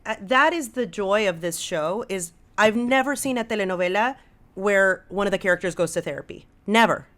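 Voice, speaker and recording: Female podcast guest, medium-pitched, casual and slangy, drives points home with enthusiasm. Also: moderate pace, a bit bright. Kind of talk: casual conversational podcast talk.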